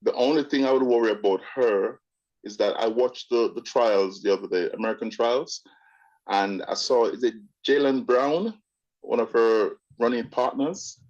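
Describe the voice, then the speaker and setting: A man's voice: mid-range voice, normal speed, a little mellow, highs cut off. A Jamaican man with a partly British accent, calling in to a radio show and chatting casually with opinions and stammering restarts. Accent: Jamaican with British mix. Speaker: caller. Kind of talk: casual call-in chat. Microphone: phone line.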